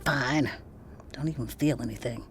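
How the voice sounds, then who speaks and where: A woman's voice: rumbling low, moderate pace, a little hiss or hum. An actress in an audio drama playing a bold, protective woman activist who is kindly to strangers and speaks firm, coaxing Black American vernacular. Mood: wry. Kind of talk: naturalistic audio drama acting.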